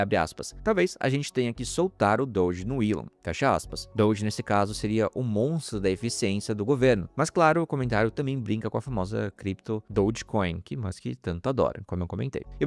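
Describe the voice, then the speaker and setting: A man from Chile hosting a news podcast, talking in a chatty way and making asides to his listeners. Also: medium pitch.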